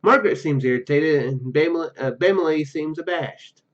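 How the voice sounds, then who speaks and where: A man doing a let's play, reading story text aloud haltingly and dropping in casual asides. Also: a little high, dull audio. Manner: halting, stumbles over read words. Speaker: gaming YouTuber.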